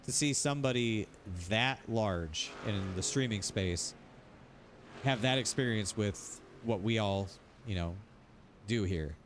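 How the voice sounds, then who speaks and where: A man's voice: fairly low pitch, takes it slowly, noisy background. A man streaming sim racing, ranting casually, rambling and repeating himself, swearing freely. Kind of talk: casual livestream rant.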